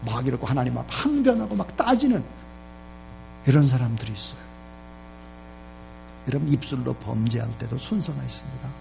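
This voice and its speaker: A man's voice: medium pitch, steady tone, a little fast, gravelly, long pauses, mellow, a little hiss or hum, poor audio. A man preaching a sermon as pastor, emphatic, leading his congregation to repeat lines after him.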